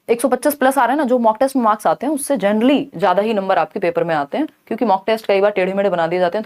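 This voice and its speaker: A young woman teaching a live online exam-prep class, reading questions aloud slowly and answering viewers by name in a chatty, tired way. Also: medium pitch, a little mellow. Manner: explains in Hindi mixed with English, reads questions aloud slowly.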